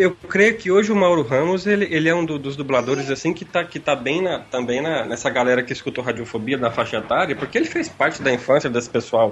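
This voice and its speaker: Over noticeable background noise, a man with fairly high pitch rushes along at a very fast pace with lively intonation and hardly any pauses. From Goiânia, Brazil. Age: 30s. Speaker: accountant. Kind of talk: casual chat. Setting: call-in from phone app.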